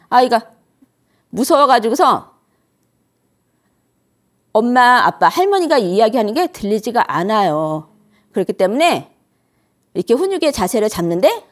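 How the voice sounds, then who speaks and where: A middle-aged woman lectures grandparents on raising children. She poses questions to the room and answers them herself. Her fairly high voice rises and falls a great deal. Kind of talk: instructive lecture to an audience.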